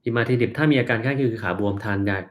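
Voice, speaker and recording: A man hosting a casual livestream, calmly answering viewers' health questions in a relaxed, polite way. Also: on the low side, quick pace.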